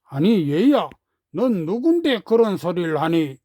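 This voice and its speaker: A man reading a storybook, voicing a gruff middle-aged cattle trainer who bullies and shouts. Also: high voice, sing-song, unhurried, no echo, clean studio sound, full character voice. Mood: puzzled. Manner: bullying, shouting.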